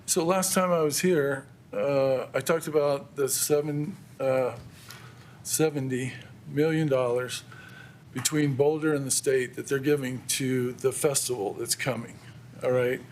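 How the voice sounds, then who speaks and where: A man's voice: medium pitch, fairly even intonation, measured pace, a little mellow, slight background noise. An American man giving an extemporaneous public comment at a council meeting. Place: council chamber.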